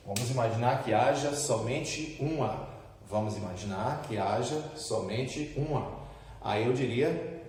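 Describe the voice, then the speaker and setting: A man's voice: medium pitch, darkish tone. A Brazilian man teaching an English lesson to students at a board, patiently explaining step by step and often checking that they follow. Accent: Brazilian Portuguese. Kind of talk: classroom lesson. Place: classroom with a board. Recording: echoey room, voice from far off.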